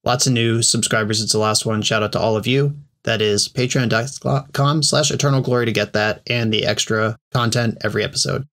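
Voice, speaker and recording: A man co-hosting a podcast, talking in a relaxed, chatty and slangy way. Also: medium pitch, fairly quick, few pauses. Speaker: podcast co-host. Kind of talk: casual podcast chat.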